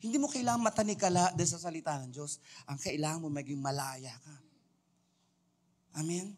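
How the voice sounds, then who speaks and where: Male pastor, sermon in a church, higher voice, playful, jokes with the audience. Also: brisk, a little mellow. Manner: playful, joking and quizzing the audience. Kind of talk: preaching a sermon to a congregation. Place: church service.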